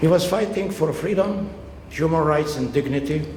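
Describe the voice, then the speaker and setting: A man with a Hungarian accent speaks with ordinary pitch variation amid noticeable background noise and audible room echo. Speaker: speaker at a book launch. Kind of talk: commemorative speech, partly read out. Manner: halting, many filler sounds.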